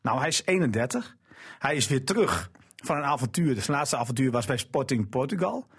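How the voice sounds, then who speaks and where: A man leading a casual football chat, asking questions and telling news in an animated way. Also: a little fast, slightly rough. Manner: animated, questioning, pitch jumps when asking.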